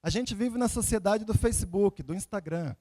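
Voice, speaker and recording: A male preacher with a notably high-pitched voice. He delivers a conversational sermon like a storyteller, repeating phrases for emphasis and putting rhetorical questions to his listeners. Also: normal speed, mellow. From Salvador, Bahia, Brazil. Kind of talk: conversational sermon with personal anecdotes and scripture readings.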